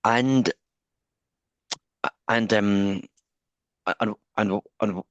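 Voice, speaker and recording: A man with a low, deep voice asks his questions slowly and thoughtfully. He stutters often, repeating words and catching on first sounds. The sound is dry and close. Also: steady tone, dry recording, dull audio. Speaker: interviewer. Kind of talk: conversational interview.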